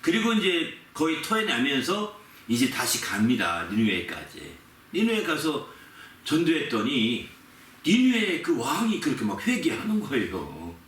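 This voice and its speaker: A male pastor preaches a sermon with a bright, forceful voice that leaps up and down in pitch. He tells the story with animation and hammers key words again and again. He is recorded from some distance in a roomy, echoey church. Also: wildly swooping pitch, unhurried. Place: church sanctuary. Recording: echoey room, mic at a distance.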